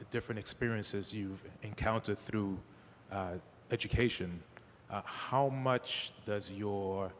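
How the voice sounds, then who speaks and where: A man from the Caribbean asks a question from the audience, halting and filling his pauses. His voice is low, with long hall reverb and faint noise around it. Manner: halting, many fillers. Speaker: audience member.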